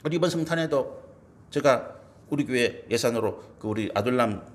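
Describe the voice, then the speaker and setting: A man's voice: animated, moderate pace. A middle-aged male pastor preaching a Sunday sermon, dramatically acting out quoted voices and asking the congregation rhetorical questions. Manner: dramatic, acts out quoted voices with big swings in pitch and loudness. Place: church sanctuary.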